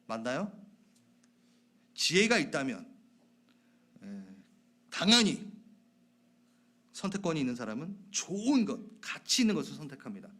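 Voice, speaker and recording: A man preaching a sermon as pastor of a church, talking conversationally with his congregation, asking them questions and dropping from loud emphasis to soft whispered asides. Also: fairly high pitch, big pitch swings, measured pace, long pauses. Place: church sanctuary.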